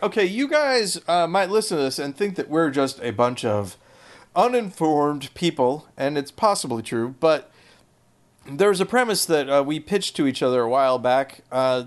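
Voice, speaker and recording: Sarcastic rambling podcast host, higher voice. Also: male voice, very animated, normal speed. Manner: dry sarcastic humor, rambling asides. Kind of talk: casual chat.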